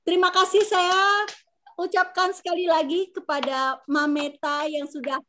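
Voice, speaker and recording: A woman with an Indonesian accent and a strikingly high voice hosts an online class over a video call. Her delivery is informal, chatty and encouraging. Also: flat delivery, unhurried, sharp tone, a little hiss or hum.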